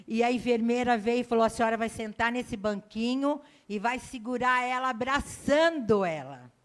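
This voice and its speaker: Woman missionary preacher, middle-aged, lively sermon storytelling, acts out dialogue, fairly high voice. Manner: animated storytelling, acting out dialogue, addressing the congregation. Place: church.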